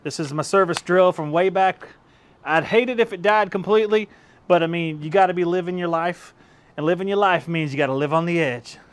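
Speaking at a fairly high pitch, a chatty man tries out tools for a relaxed, hands-on YouTube review. He's easygoing and laughs at his own results, recorded on a clip-on lapel mic in a home workshop full of power-tool shelves.

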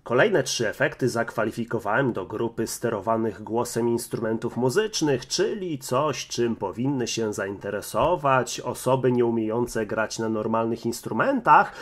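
Slow, measured male gear reviewer. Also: medium pitch, lively intonation, dry recording. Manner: explanatory, measured. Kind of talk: casual product demo.

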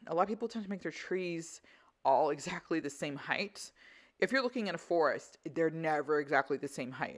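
A woman instructor talking through an art tutorial in a casual, conversational, explanatory way. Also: low-pitched. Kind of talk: casual voice-over craft tutorial.

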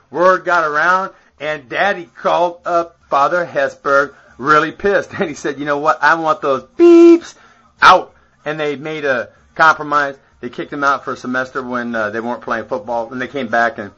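A man's voice: a little high, bright, forceful tone. A man in a rambling, profane rant to the camera, boastful and chuckling between phrases, on a dull lo-fi home video.

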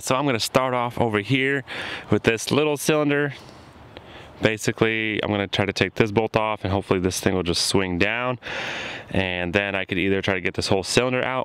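A man's voice: lowish voice, a bit bright. A man in his thirties, casually talking through a repair job outdoors, thinking aloud as he works. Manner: easygoing, thinking aloud while working. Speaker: shop mechanic host. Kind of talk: casual how-to narration. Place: outdoor junkyard. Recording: outdoor noise behind.

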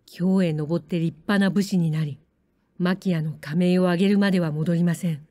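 Storybook samurai boy, earnest, proud, low and restrained delivery, as a woman reader plays him. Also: moderate pace, dark tone, no room sound, close to an everyday voice. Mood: tearful.

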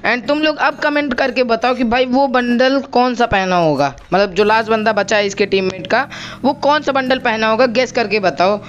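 A man's voice: extremely high pitch, normal speed, lo-fi sound. A young man giving a chatty voice-over commentary on his own gameplay, talking straight to his viewers and asking them to comment. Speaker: gaming channel host.

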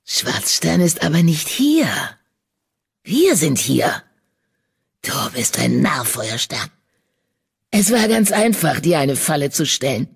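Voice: mid-range voice, sing-song, takes it slowly, vocal fry, long pauses, husky, full character voice. An audiobook reader voicing a scheming young male warrior cat who sneers and hisses at his rivals. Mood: sneering. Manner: sneering, hissing.

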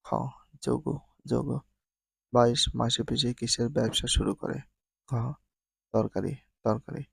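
A man's voice: medium pitch, steady tone, creaky, slightly rough, no room sound. A man reading out multiple-choice questions and answers as a teacher, repeating each answer plainly. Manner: reads each answer twice, slowly and plainly.

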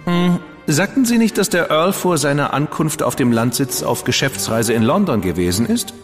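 Ironic dandy gentleman, lively voice, roomy reverb. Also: on the high side, moderate pace, soft background music. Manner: ironic, playful. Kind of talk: German audio drama acting.

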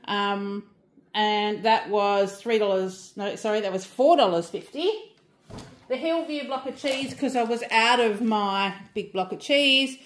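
A woman's voice: medium pitch, measured pace, reverberant, slight background noise. A middle-aged Australian woman chatting casually through a grocery haul, rambling with lots of ums. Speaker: vlogger.

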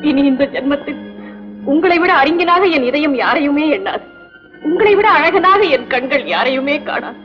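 An actress playing a learned, devout young princess in a 1960s film, speaking in formal literary speech. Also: female voice, high voice, lively intonation, moderate pace. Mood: devoted. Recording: dull old film soundtrack with music.

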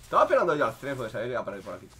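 A young gaming streamer talks very fast over his own gameplay, offering casual, joking commentary. His pitch swoops wildly as he swings between loud outbursts and low muttering.

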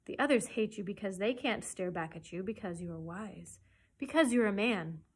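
A woman voicing a wise, protective male black panther from a storybook, speaking gently and earnestly with emphasis. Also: medium pitch, lively intonation, normal speed, husky. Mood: earnest, warning.

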